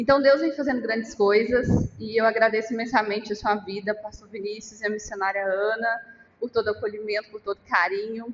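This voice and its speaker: At a fairly quick pace, a woman with a Minas Gerais accent and a fairly high pitch speaks with big swings in loudness over noticeable background noise. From Minas Gerais, Brazil. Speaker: lay preacher. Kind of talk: sermon with testimony. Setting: church. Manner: animated.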